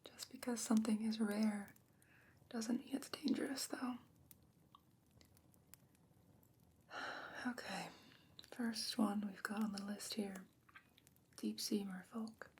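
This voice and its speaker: A woman playing a patient, bookish sorceress in a fantasy ASMR roleplay, whispering breathily and explaining in a measured, gently skeptical way. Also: medium pitch, steady tone, slight background noise, lightly acted.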